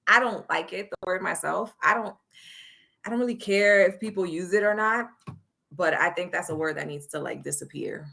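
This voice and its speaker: A woman's voice: lowish voice, moderate pace, gravelly, pushed and bright. A woman guest on a podcast, frank and chatty in casual conversation, laughing easily. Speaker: podcast guest and content creator. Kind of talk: casual chat.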